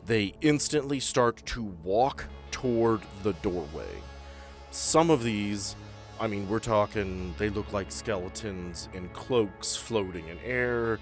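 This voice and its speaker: Deep-voiced man running a horror tabletop game. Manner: descriptive, builds tension with pauses. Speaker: game master.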